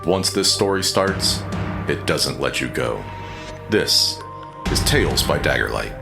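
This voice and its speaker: A man's voice: rumbling low, big pitch swings, vocal fry. A man giving dramatic, ominous trailer narration over music. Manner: ominous, measured delivery.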